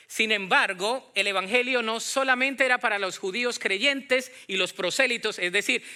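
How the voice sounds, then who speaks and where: A man preaches in Latin American Spanish with a strikingly high voice. His tone is very bright and forceful. He teaches scripture conversationally, in an animated manner, often turning to his listeners with questions. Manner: animated, acts out imagined dialogue, questions the congregation. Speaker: pastor preaching. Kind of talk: conversational Bible-teaching sermon.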